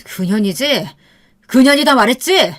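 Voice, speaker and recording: A woman's voice: on the low side, lively intonation, unhurried. A woman voicing a volatile, scheming young boyfriend who snaps in anger and then turns coaxing. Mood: angry shouting. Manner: snapping, hostile, then suddenly soft.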